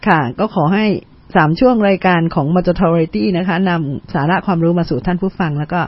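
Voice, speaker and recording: Fast-talking woman radio co-host, husky. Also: fairly low pitch. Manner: polite, fluent, many soft particles. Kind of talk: radio talk, program wrap-up. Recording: dull lo-fi radio sound.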